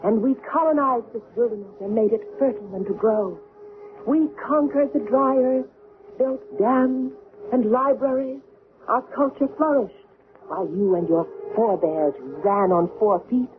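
A woman's voice: mid-range voice, natural voice. A woman acting in a 1970s radio drama as a solemn alien woman who recounts her people's ancient history. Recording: tinny, noisy old radio drama recording.

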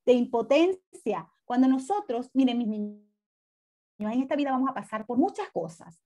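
A woman's voice: a little high, a little mellow. A woman, a teacher giving an online religion class to children and explaining with repeated examples over a video call.

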